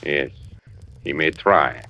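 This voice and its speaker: An actor playing a stern, commanding German colonel in a 1940s radio drama. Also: male voice, a bass voice, slow pace, bright, forceful tone, heavily acted. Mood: probing. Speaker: military officer in radio drama. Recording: dull old radio recording.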